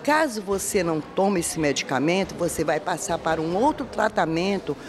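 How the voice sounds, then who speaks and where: A woman's voice: lowish voice, expressive, moderate pace. Brazilian woman clinic director, music under. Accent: Brazilian Portuguese. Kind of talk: interview soundbite. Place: clinic office. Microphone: handheld mic.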